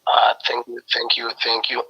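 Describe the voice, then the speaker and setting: A man from Zimbabwe, hoarse with a flu, speaking as a journalist on a video call panel. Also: fairly low pitch, level tone, takes it slowly, muffled recording. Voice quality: husky, gravelly. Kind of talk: online panel discussion.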